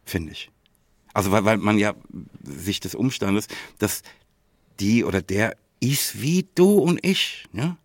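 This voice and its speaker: A man with a German accent chatting casually as a podcast co-host, thinking aloud haltingly and often adding little tag questions. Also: lowish voice, lively intonation, dry recording, clean studio sound.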